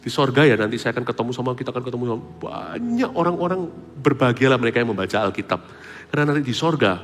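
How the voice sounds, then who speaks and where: Animated male pastor preaching in a hall. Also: mid-range voice, racing. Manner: animated, swings between loud exclamations and soft asides. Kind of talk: sermon. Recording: preaching hall with long reverb and faint music.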